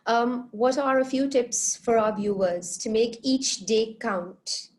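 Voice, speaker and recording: A woman's voice: a little high, slow, slight background noise. A woman from the United Arab Emirates hosting a conversational online interview, chatty and affirming toward her guest. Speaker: interview show host.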